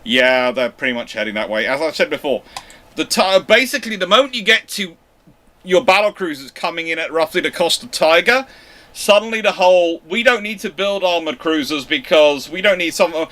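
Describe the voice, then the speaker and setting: A man's voice: a little high, fairly bright tone. A man hosting a live naval history Q&A, reading out viewer questions and answering them off the cuff with frequent ums and restarts. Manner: hesitant, many fillers and restarts. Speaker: naval history channel host.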